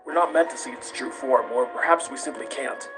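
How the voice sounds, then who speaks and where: A man's voice: medium pitch, natural voice. Man acting a grave, intense scientist over music. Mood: grave, suspicious. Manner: formal, measured, intense. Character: grave, obsessive male scientist, driven and proud. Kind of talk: dramatic comic dub acting. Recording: music playing under the dub.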